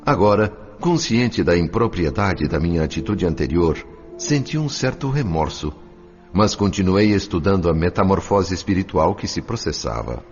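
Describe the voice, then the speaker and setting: An actor playing a reflective, compassionate narrator in a radio drama audiobook, with a Brazilian accent. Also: male voice, low voice, animated, normal speed. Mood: solemn, reflective. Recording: slightly dull sound. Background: faint music.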